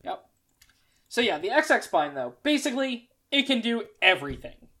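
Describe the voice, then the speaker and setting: A woman's voice: fairly high pitch, very animated, moderate pace, a bit bright. A woman co-hosting a casual chat show, rambling through details with plenty of fillers and flashes of exasperation. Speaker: podcast co-host. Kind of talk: casual chat about mecha designs.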